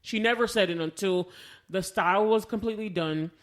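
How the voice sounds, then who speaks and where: Speaking fairly quickly in a mid-range voice, this American podcast co-host chats casually and tells her own stories expressively, frequently re-enacting the conversations in them.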